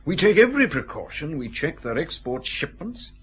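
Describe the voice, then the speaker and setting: A lecturing customs officer. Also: male voice, fairly high pitch, very animated, normal speed, fairly bright tone, a little hiss or hum. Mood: explaining. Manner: patient, explanatory, lecturing. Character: precise male customs officer explaining lab analysis. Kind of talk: radio drama acting.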